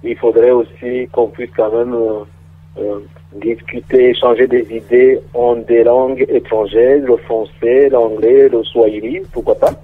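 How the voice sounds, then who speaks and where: Husky man on a tinny phone line. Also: medium pitch, little pitch movement, measured pace. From southern Rwanda. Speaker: priest and debate guest. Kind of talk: radio debate.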